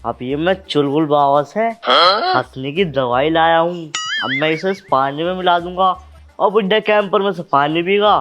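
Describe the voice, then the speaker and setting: A man's voice: a little high, normal speed, highs cut off, music in the background, close to an everyday voice. A young man playing a scheming village prankster in a comedy sketch, muttering smugly to himself. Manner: sly, muttering to himself, smug.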